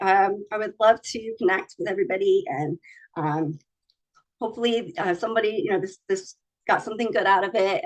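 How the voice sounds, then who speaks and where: Putting on a raspy character voice, a woman speaks at a fairly quick pace and a fairly high pitch, with very wide pitch swings. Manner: hesitant, with filler words.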